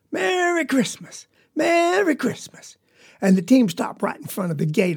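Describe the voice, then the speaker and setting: A man's voice: high voice, vocal fry, darkish tone, breathy edge, full character voice. A man voicing an earnest, sincere poor rural boy with a rural Southern US accent, speaking in a folksy, rambling drawl. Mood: eager. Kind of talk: storytelling monologue.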